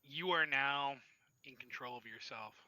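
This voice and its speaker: A man narrating as storyteller of a tabletop role-playing game, with halting restarts. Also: medium pitch, bright, forceful tone, no echo, poor audio.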